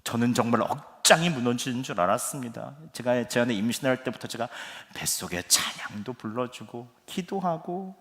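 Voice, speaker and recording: Animated middle-aged pastor in a reverberant church. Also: male voice, medium pitch, moderate pace, few pauses. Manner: animated storytelling that acts out quoted speech. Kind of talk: sermon. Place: church sanctuary. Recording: long reverb of a church hall.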